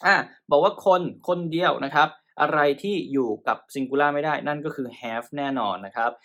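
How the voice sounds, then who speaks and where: A young man teaching TOEIC grammar in Thai, explaining patiently and often checking in with his listeners, slowing down to spell and pronounce English terms. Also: mid-range voice, fairly bright tone. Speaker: TOEIC tutor. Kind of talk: exam-prep lesson.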